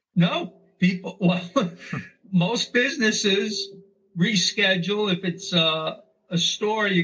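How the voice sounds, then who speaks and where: In a New York accent, a man projects a raised, high-pitched voice with a bright, sharp tone. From Brooklyn and Staten Island, New York. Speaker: retiree. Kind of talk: podcast interview answer.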